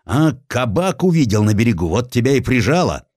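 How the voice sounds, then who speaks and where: A male narrator voicing a bullying provincial governor, a former sailor, gruff, stern and sarcastic. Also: medium pitch, sing-song, a little fast, a little mellow, dry recording, studio quality. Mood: stern scolding.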